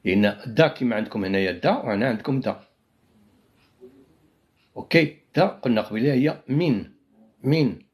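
A man with a Moroccan Arabic accent teaching a live online Italian lesson. He repeats each word several times and drills phrases very slowly, and he is unwell and coughing. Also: mid-range voice, lively intonation, a little mellow.

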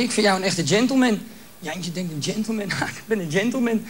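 Brief: male joke teller, fairly high voice, casual and chatty delivery. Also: a little hiss or hum. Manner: chatty, colloquial storytelling. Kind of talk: stand-up joke telling.

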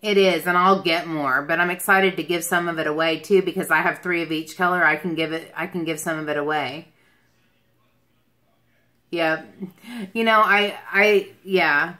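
A woman of about forty-six hosts a casual livestream from a room at home. Her voice sits a little low but has a clear, bright edge. She talks in a loose, rambling way, hopping between thoughts as she takes questions. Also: fairly even intonation, normal speed. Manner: rambling, jumps between topics. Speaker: beauty livestream host. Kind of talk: casual livestream chat answering viewer questions. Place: small furnished room at home, indoors.

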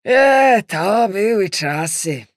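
A man's voice: high-pitched, expressive, extremely slow, no room sound, clean studio sound, pitched above the performer's own voice, heavily acted. A woman reading an audiobook, voicing a tipsy, boastful middle-aged man who rambles folksily about his past. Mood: boastful, animated.

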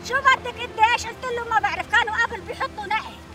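A woman's voice: very high voice, racing, recorded from a distance, over music, a crowd in the background. An older woman with a Bedouin Arabic accent, telling about life in an interview outdoors. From Lebanon. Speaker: shepherd and farm worker being interviewed. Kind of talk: interview storytelling. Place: open field outdoors near a village. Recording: busy outdoor field recording, animal and traffic noise.

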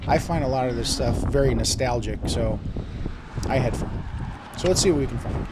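A man's voice: mid-range voice, normal speed, very noisy. A man with a stuffed-up voice from a cold, chatting easygoingly as he narrates his flea market vlog.

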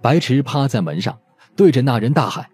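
Animated male audiobook narrator. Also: medium pitch, a little fast, husky, no echo. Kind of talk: expressive scripted story narration. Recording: music behind the voice.

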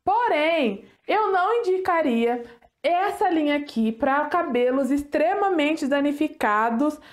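A woman's voice: high voice, expressive, measured pace. A woman in her thirties from Brazil, reviewing hair products to camera in a chatty, enthusiastic way with self-mocking jokes. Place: small home studio with decorated shelves.

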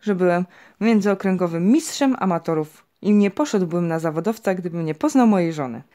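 A woman's voice: fairly low pitch, animated, a little fast, dark tone, natural voice. A woman voicing a mocking, pompous neighbor man in a storybook reading, with a sneering, grandiloquent manner. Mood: taunting.

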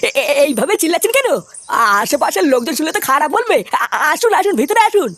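A very high, animated cartoon voice of a bewildered, touchy middle-aged father. He fires off protesting questions at a quick clip, with music behind him. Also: no echo, exaggerated voice. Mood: puzzled. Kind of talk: Bengali comedy cartoon dub.

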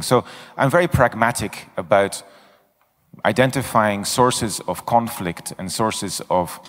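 A man's voice: fairly low pitch, a bit bright. A middle-aged man giving a conference talk on stage with a handheld mic, speaking bluntly and candidly with self-mocking asides. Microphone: handheld microphone. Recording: long hall reverb.

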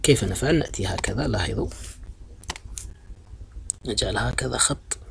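An Algerian man teaches a blackboard-style math lesson, patiently guiding students step by step through a graph, often calling them "my children" and correcting himself with many fillers. His voice sits on the low side, expressive and moderately paced, with vocal fry and a little hiss or hum.

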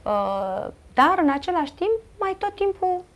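A woman's voice: extremely high pitch, big pitch swings. A middle-aged woman with a Romanian accent, an interview guest earnestly recounting a personal family story with many fillers and quoted dialogue.

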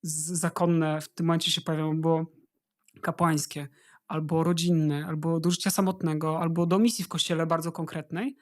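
A man's voice: fairly high pitch, level tone, moderate pace. A man giving informal spiritual advice as a guest, earnestly urging listeners and addressing them directly. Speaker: interview guest, religious brother.

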